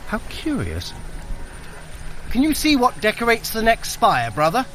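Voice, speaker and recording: An actor playing a sly, clever trickster god in an audio drama, with a wry, theatrical, condescending manner. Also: male voice, high voice, wildly swooping pitch, measured pace, fairly bright tone, slight background noise, heavily acted, low-quality recording. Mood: wry, teasing.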